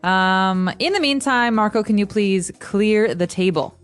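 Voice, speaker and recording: A woman's voice: mid-range voice, measured pace, smooth, faint music behind. Woman co-host explaining phrases. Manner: explains phrases with acted example lines. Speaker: podcast co-host. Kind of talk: casual teaching chat.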